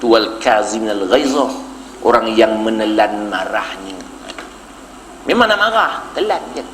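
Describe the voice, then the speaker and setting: Animated Malaysian preacher in an echoey hall. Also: male voice, a little slow, noisy background. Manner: animated storytelling, jumps high in pitch for punchlines, laughs at own jokes. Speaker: Islamic preacher. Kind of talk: sermon lecture with humorous stories. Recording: echoey hall, faint background ambience.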